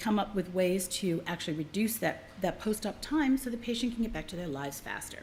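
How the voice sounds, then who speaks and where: Audible room echo surrounds a woman speaking at a fairly quick pace in a medium pitch. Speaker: aesthetics marketing consultant. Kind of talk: conference talk. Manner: fast.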